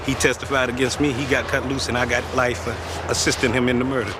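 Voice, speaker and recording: A man who is a prison inmate, giving a flat, matter-of-fact account. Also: medium pitch, fast, noisy background. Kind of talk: documentary interview.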